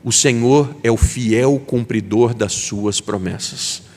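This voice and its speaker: A man's voice: mid-range voice, slow pace, darkish tone. A man with a Brazilian Portuguese accent, preaching a sermon as pastor and acting out quoted voices. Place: church sanctuary. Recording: long hall reverb.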